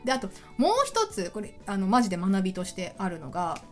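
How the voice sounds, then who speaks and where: A woman hosts a casual solo podcast in a lively, chatty voice whose pitch swings widely. She sounds enthusiastic and laughs easily. Soft music plays faintly underneath. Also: fast talker. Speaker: podcast host.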